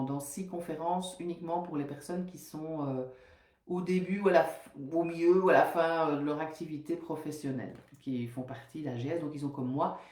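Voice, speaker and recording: A woman dietitian with a soothing voice, giving a loose, conversational live talk and reading passages aloud in a steady way. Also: deep voice, reverberant.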